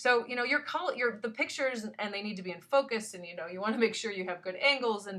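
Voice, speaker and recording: Speaking at a very fast pace in an American accent, a woman's voice swings widely in loudness. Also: fairly high pitch for a woman, ordinary pitch variation. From US East Coast. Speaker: blogging workshop leader. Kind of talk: online workshop talk. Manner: hesitant, many fillers.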